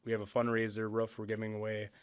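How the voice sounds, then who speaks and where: A man's voice: on the low side, monotone, clear, resonant tone. Plainspoken man with a Wisconsin accent. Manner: plainspoken, self-deprecating, halting restarts. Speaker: guest, operations executive. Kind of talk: casual interview talk.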